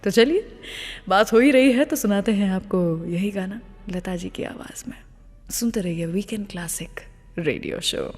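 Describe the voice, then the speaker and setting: A woman's voice: medium pitch, normal speed, darkish tone, in a large hall. A woman hosting a classic-music radio show, chatting and telling anecdotes between songs, slipping English phrases into Hindi. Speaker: radio host.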